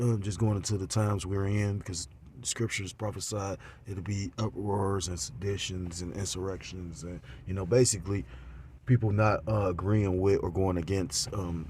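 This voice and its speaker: A man giving an informal religious lesson on a phone, talking loosely with many fillers and getting louder and more animated as he goes. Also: low-pitched, normal speed, a little hiss or hum. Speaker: religious teacher.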